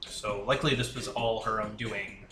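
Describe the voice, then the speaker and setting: A man's voice: on the low side, steady tone, normal speed, loud music behind the voice. A man playing a tabletop game, casually discussing what is going on in the story. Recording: echoey room recording.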